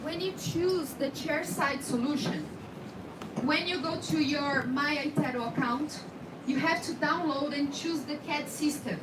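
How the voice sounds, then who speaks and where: A woman's voice: high-pitched, a little slow. A woman from Brazil with a Brazilian accent and Portuguese as her first language, giving a hands-on technical demonstration and often checking that trainees follow. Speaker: instructor in dental scanning. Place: indoor training room with background noise. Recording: echoey room, distant mic, heavy noise.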